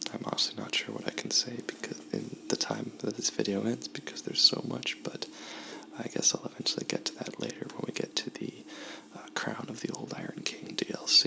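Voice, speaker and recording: A man whispers at a fairly quick pace in a relaxed tone. Noticeable background noise sits behind him. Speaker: ASMR video game commentator. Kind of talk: ASMR gameplay commentary, casual talk to camera. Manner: soft-spoken, whispering, relaxed.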